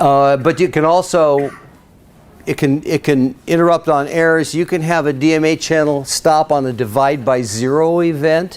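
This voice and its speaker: This man has an unremarkable speaking voice, fairly high in pitch, delivered at a moderate pace. His loudness stays very even and his intonation is fairly even. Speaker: university lecturer. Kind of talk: lecture.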